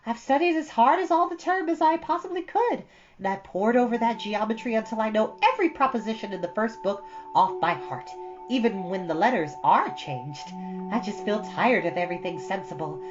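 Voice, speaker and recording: A woman's voice: medium pitch, animated, a little fast, lo-fi sound, over music, pitched above the performer's own voice, close to an everyday voice. A woman voicing an eager, imaginative schoolgirl in a storybook reading, girlish and effusive, chattering dramatically. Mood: determined, weary.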